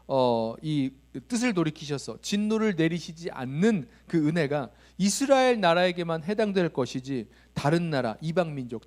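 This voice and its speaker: A man preaching a sermon as pastor, speaking straight to the congregation and asking rhetorical questions. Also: on the high side. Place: church sanctuary.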